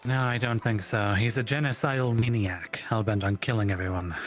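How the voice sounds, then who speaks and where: A man roleplaying in an online virtual world, speaking in a grave, firm and measured way. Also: lowish voice, fairly even intonation, faint music behind. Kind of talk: casual in-character roleplay chat.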